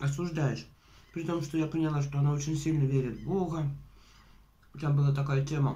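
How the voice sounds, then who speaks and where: A woman speaks at a very deep, low pitch in a somewhat breathy voice. Her pace is fairly quick and her intonation monotone and flat. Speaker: mukbang vlogger. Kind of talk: casual vlog chat. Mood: chatty, joking. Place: kitchen. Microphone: phone near.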